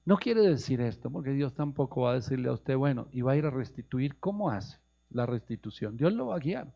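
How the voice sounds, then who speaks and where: A man with a Colombian accent preaching a sermon as a pastor, rising into high emphatic questions and calling his listeners brother. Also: lively intonation, brisk, vocal fry, mellow. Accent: Colombian Spanish. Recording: muffled lo-fi radio broadcast.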